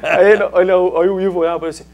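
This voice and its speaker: A man's voice: high-pitched, very fast. A middle-aged man from Minas Gerais with a Mineiro accent, a former footballer telling anecdotes in a casual interview and acting out other people's lines. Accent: Mineiro Brazilian Portuguese. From Minas Gerais, Brazil. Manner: lively storyteller who acts out other people's lines.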